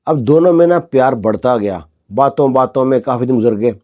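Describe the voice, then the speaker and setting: A man narrates a dramatic story in a relaxed, conversational way. His voice is mellow and dark, at an ordinary middle pitch, with frequent emphatic asides. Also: muffled recording.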